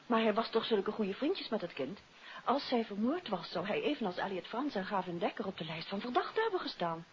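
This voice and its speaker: Lady playing curious affectionate wife in 50s dutch radio play, mid pitch, muffled old broadcast sound. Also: big pitch swings, a little fast, close to an everyday voice. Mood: thoughtful. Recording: dull old radio recording, music behind.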